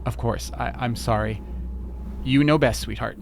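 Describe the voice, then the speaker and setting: A man's voice: medium pitch, measured pace, vocal fry, a little hiss or hum. A man playing a nervous, haggard, submissive father in a radio play, hesitant and apologetic. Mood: anxious. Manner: hesitant, apologetic, stammering politely.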